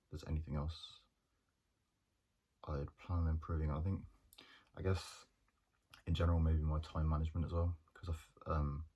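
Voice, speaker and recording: A young man, a journalism student talking through his plans in a hesitant, monotone way with many pauses and restarts. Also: very deep voice, slightly rough, highs cut off. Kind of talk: casual reflective monologue.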